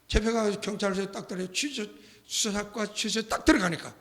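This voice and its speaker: Animated older Korean pastor, bright tense voice. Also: male voice, high-pitched, fairly quick. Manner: animated storytelling, acting out quoted voices, shouting at climaxes. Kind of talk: sermon with storytelling.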